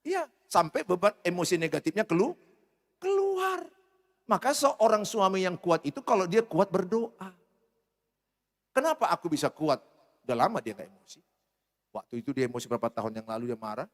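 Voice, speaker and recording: A male pastor delivers a sermon in a humorous, animated way. His voice sits high and swings widely in pitch. The sound carries the long reverb of a church hall. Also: fairly quick.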